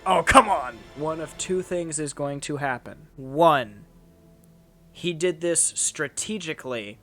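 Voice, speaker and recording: Animated young man, bright voice. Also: medium pitch. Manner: rambling, animated, frequent restarts and fillers. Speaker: channel host. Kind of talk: casual chat.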